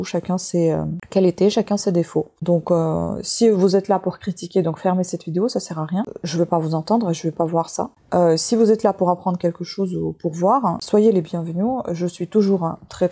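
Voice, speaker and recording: A woman whose first language is not French hosts her own crochet channel. She speaks with a mellow, low-set voice and sounds fed up and blunt, filling her speech with many "euh" pauses. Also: slightly rough. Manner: frank, exasperated, many hesitations. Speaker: crochet YouTuber. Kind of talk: casual tutorial intro, venting rant.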